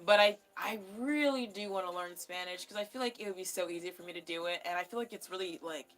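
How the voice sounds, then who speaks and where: A woman's voice: fairly low pitch, fast talker, fairly bright tone. A young adult American woman hosting a casual live stream, talking in an informal, rambling way. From California, USA. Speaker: livestream host. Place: small decorated bedroom, indoors.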